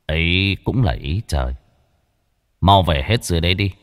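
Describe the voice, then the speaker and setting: A man voicing a powerful male demon warden with a cold, low, commanding delivery. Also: expressive, normal speed, a bit bright, long reverb tail.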